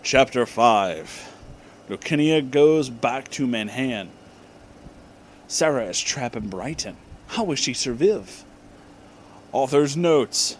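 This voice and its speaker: A man giving a comic dramatic reading, deliberately enunciating garbled words and dropping in casual asides. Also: medium pitch, expressive, a little hiss or hum. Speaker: reader and commentator of bad fan fiction.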